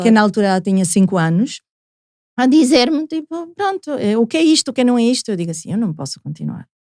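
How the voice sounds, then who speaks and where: A woman with an Italian accent, a fairly high pitch and a dark, mellow tone, at a very fast pace with very wide pitch swings. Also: dry, close sound with no echo. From Italy. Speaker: parenting coach, former image retoucher. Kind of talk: interview answer.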